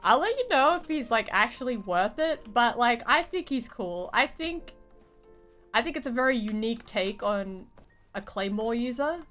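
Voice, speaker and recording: A young woman giving casual live game commentary, rambling and halting, with slangy phrasing. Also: fairly high pitch, expressive, a bit bright, soft background music. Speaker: game streamer.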